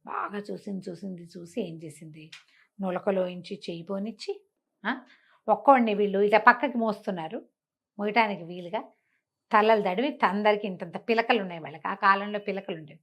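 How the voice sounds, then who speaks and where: A woman telling a comic folk tale in an animated, conversational way, often repeating phrases. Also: mid-range voice, a little fast, gravelly. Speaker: storyteller.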